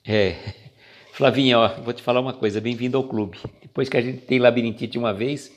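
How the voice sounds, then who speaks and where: A man with a Brazilian Portuguese accent who reads passages from a spiritual book slowly, then explains them in a casual chatty way. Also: medium pitch, steady tone. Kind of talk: casual reflective reading and commentary.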